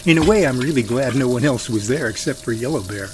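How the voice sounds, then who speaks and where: A man's voice: medium pitch, lively intonation, quick pace, noisy background, lightly acted. A man playing an easygoing field researcher who coaxes playfully, in an amateur audio drama. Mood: sheepish.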